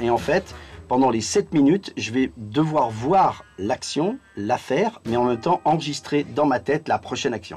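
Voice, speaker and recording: Music plays behind a man with a medium pitch. He speaks at a fairly slow pace, his pitch swinging very widely. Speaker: voice actor. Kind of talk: casual talk to camera. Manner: energetic, jokey.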